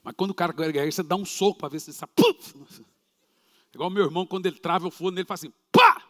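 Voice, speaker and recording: A man with a Brazilian Portuguese accent, a pastor telling a story in a sermon, lively and dramatic with shouted sound effects. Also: high-pitched, very fast. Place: church. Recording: reverberant church hall.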